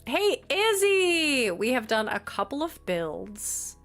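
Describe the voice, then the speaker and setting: A woman drawling through a relaxed live-stream chat, giggly and chatty as she answers her viewers. Her unhurried talk sits over faint game music. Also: high voice.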